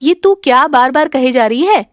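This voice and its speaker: A woman's voice: sits high, lively intonation, moderate pace, no room sound, clean studio sound. A woman voicing a strict, commanding mother-in-law who scolds her daughter-in-law. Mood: stern.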